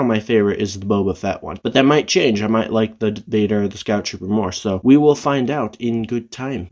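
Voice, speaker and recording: Man, vlog host, casual, chatty, upbeat, medium pitch. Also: a little mellow. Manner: chatty, upbeat, reads viewer questions aloud.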